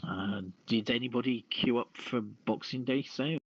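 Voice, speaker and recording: A man hosting a casual talk show and reading out news in a halting way, on a dull lo-fi voice chat. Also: mid-range voice, fairly even intonation, background noise. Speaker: host.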